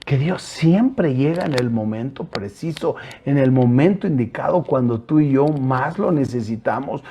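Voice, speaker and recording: A man's voice: medium pitch, expressive, unhurried, mellow, slight background noise. A male pastor with a Mexican Spanish accent, preaching an earnest sermon that keeps addressing his listeners directly, with hesitant fillers between points.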